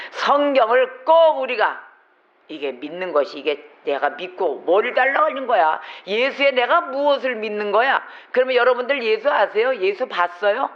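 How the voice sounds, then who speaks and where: A man with a notably high voice preaches in church, pressing his points with one rhetorical question after another. The recording sounds dull and lo-fi, muffling the top end. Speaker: pastor. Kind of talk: sermon. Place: church sanctuary.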